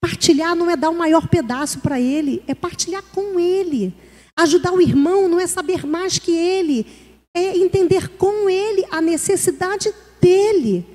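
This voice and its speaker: A woman pastor speaks in a high, mellow voice. She talks conversationally at a church workshop and slips into little everyday dialogues. Her voice rings with a long reverb in a church hall.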